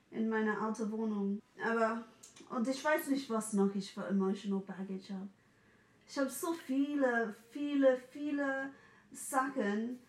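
A woman in her forties from England with an English accent, chatting in German as a second language in an animated way and mixing in English words. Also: fairly high pitch, recorded from a distance. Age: 40s. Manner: animated, mixes in English words, acts out quoted voices. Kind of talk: casual chat. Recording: echoey room, a bit off mic.

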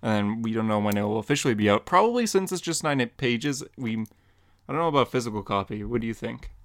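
Male co-host, mid-pitched, loose and chatty, laughs through his lines. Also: animated, fast talker. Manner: rambling and giggly, laughs often mid-sentence. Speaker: podcast co-host and comic artist. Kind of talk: casual chat.

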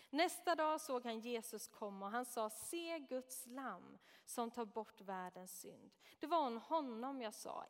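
A woman reading a scripture passage aloud and then explaining it verse by verse in a measured, reflective teaching manner. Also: on the high side. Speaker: Bible teacher. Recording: long reverb, hall-like.

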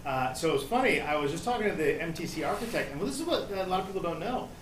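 A man's voice: a little high, very animated, fast talker, noisy background. Chatty man, distant in a roomy space. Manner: chatty, rambling with many fillers and asides. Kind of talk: casual panel talk. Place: studio room.

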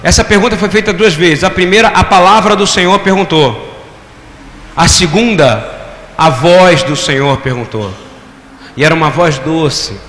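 Male preacher, high voice, interactive call-and-response sermon, long hall reverb. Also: normal speed, fairly bright tone. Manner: interactive, has the congregation repeat phrases; rhetorical questions to the audience. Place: church hall. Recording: echoey hall with long reverb, faint room noise.

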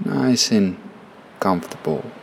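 Slow, creaky-voiced man guiding meditation. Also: fairly low pitch, darkish tone, a little hiss or hum, rough recording. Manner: soothing, instructive, with short spaced-out phrases. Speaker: meditation guide. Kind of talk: guided meditation. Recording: background music under voice. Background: music.

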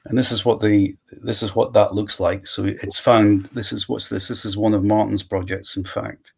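A man walking through his software tool in a live screen-share demo, thinking aloud step by step. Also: on the low side, little pitch movement, moderate pace, creaky, slightly rough. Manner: walks through steps aloud, thinking as he goes.

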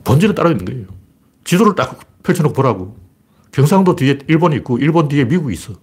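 A man talking through politics and history in a casual, blunt, emphatic monologue with a husky voice. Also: on the high side, fast. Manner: animated, blunt and emphatic, with frequent laughs and repeated phrases. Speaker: political commentator.

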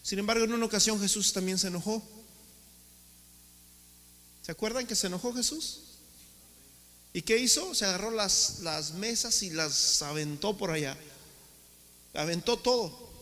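A man's voice: high-pitched, moderate pace, long pauses, pushed and bright, in a large hall. A man preaching a sermon as pastor, asking rhetorical questions and calling the congregation brothers. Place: church hall.

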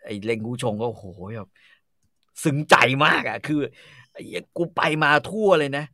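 Animated man telling a story with crude slang. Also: mid-range voice, normal speed, dry recording, clean studio sound. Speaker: storyteller host. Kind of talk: casual storytelling chat.

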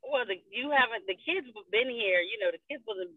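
A woman talks over a tinny car speakerphone while driving, her voice squeezed into a narrow phone-line band. She speaks in a loose, chatty way with plenty of "like" and "you know," at an ordinary middle pitch, and the sound is dry and close. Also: lively intonation, brisk, husky, no echo. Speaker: guest on a group call. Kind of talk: casual chat.

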